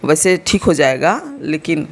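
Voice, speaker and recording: With a low voice that runs a little slow, an Indian woman in her thirties chats with her audience in a casual vlog from home. Her Uttar Pradesh Hindi accent comes through alongside a slightly sore throat as she talks directly to viewers and explains along the way.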